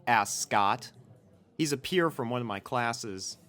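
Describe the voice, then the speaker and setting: A man's voice: mid-range voice, lively intonation, takes it slowly, fairly bright tone. A man reading a first-person fan fiction story as its narrator.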